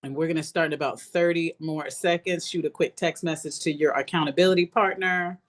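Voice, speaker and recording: A woman's voice: low voice, fairly even intonation, brisk. Emphatic woman coach hosting a live webinar. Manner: emphatic, repeats phrases for encouragement. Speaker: business coach hosting an online masterclass. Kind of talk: live motivational webinar talk.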